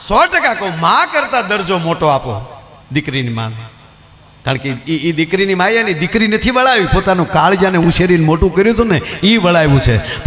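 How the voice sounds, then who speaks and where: A man's voice: high voice, a bit bright, in a large hall. A man from Gujarat, telling folk comedy stories on a live stage and acting out the voices of the people in his jokes. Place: live stage show before an audience.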